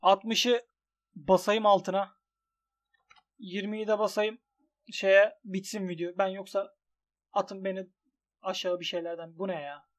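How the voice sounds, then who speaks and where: High-voiced excitable young man. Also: measured pace, pauses often. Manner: excitable, swings from grumbling to shouting at losses. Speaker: gaming YouTuber. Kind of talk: commentary on an online gambling site.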